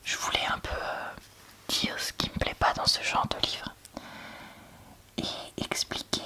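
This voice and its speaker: A woman speaking in a soft, breathy library whisper, chatting casually and hesitantly in an ASMR book review. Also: unhurried. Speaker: book reviewer, host of a reading channel.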